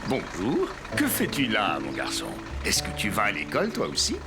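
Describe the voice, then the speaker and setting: Nice older cartoon bus driver, super animated, reassuring, loud music behind. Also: male voice, on the low side, moderate pace. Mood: friendly, reassuring. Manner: genial, reassuring, expressive. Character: friendly older male school bus driver. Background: prominent music behind the voice.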